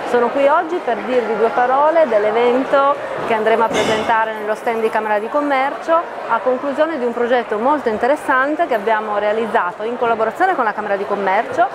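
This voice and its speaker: A middle-aged woman, a training officer, explaining a project at a food fair stand, measured and hesitant with many fillers. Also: on the high side. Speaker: training officer for a farmers' association. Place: busy exhibition hall stand with a crowd. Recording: crowd chatter and hall noise behind.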